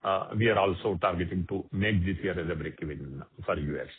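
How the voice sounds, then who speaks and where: Executive man answering analysts, hesitant delivery, husky tone over a phone line. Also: deep voice. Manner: halting, many fillers. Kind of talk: earnings call answer.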